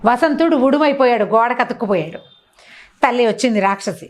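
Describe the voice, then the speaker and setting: Woman storyteller, folk-tale narration, very fast, fairly high, lively. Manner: quick, lively narration with voiced characters.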